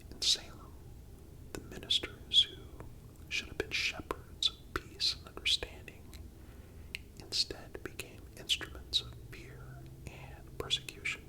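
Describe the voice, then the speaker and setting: An ASMR narrator speaks entirely in a breathy whisper, without voicing. The delivery is calm and measured, reading scripted history narration with deliberate phrasing. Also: low-quality recording. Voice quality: breathy unvoiced whisper throughout. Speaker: narrator and channel host.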